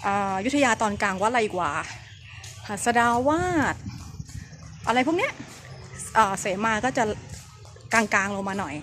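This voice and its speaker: Speaking a little high and keeping things quiet, a woman chats her way through an outdoor temple tour as a travel vlogger. Clouds cover the sky, and the recording carries lots of outdoor noise.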